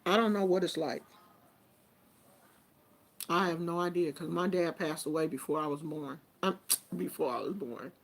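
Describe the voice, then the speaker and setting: Casting: woman in her fifties, relaxed and chatty host talking straight to viewers. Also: lowish voice, normal speed, long pauses. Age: 50s. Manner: chatty and informal, with colloquial phrasing. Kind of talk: casual live chat with viewers.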